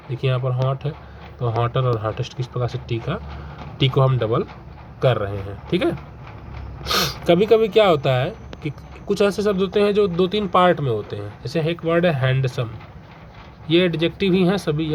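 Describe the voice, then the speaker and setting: A young man teaching an exam-prep grammar lesson, explaining step by step, asking questions and answering them himself, mixing English terms into his talk. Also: a little high. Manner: mixes English terms into Hindi. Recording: faint background noise.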